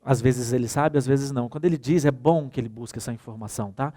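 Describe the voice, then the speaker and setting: Speaking fast at a medium pitch, a Brazilian Portuguese-accented man tells anecdotes during a workshop talk. He acts out the dialogue with animation and addresses the audience straight on.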